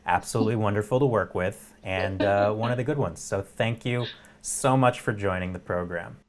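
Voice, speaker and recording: A man's voice: on the low side, moderate pace. A man hosting a conversational political comedy show, interviewing with wry quips. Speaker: talk show host.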